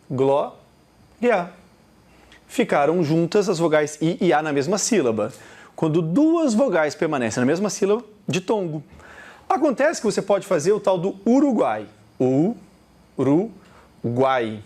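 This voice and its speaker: Lively Brazilian teacher with a higher voice. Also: male voice. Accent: Brazilian Portuguese. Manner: animated, talks straight to the viewer. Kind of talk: recorded video lesson.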